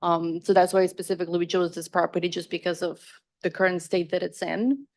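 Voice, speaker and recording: A woman's voice: lowish voice, steady tone, brisk, darkish tone. A woman from Ukraine, a property owner, answering council questions in a casual way, often saying "like" and "you know".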